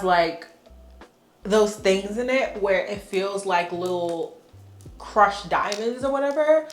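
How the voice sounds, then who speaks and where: A young woman talks in a frank, chatty way, her voice a little stuffy from congestion. She sits at a middle pitch in a room that gives her voice a noticeable echo. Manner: chatty, frank, laughs often. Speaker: beauty vlogger. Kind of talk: casual get-ready-with-me chat. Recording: echoey room.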